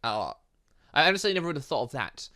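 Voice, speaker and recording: A man hosts a gaming let's play in a fairly high, forceful voice. His pitch swings widely as he reads game text and reacts to it. The delivery is casual and full of exclamations. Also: very animated, quick pace. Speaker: gaming channel host. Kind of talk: casual let's play commentary, reading visual novel text aloud.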